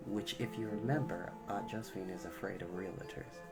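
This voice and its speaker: A woman's voice: a bass voice, moderate pace, over music. A woman with an American accent narrating a children's book as a storytime host, dramatic and given to wry asides. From Cleveland, United States. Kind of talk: expressive children's audiobook narration.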